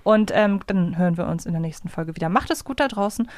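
A woman's voice: on the low side, expressive, quick pace, darkish tone, no echo. A woman co-hosting a casual fan discussion, reflectively explaining her opinions step by step. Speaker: podcast co-host.

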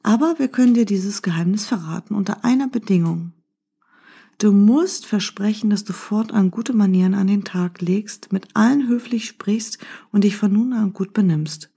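A woman voicing a clever, calm little village boy in a children's story, patient and explaining. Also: medium pitch, moderate pace, vocal fry, slightly rough.

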